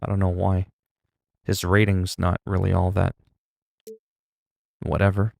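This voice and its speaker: Man, low gravelly voice, dry close sound, rambling gameplay chat. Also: monotone, measured pace, a little mellow, dry recording. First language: French. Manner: rambling, self-talk with laughs and asides. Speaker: gaming streamer.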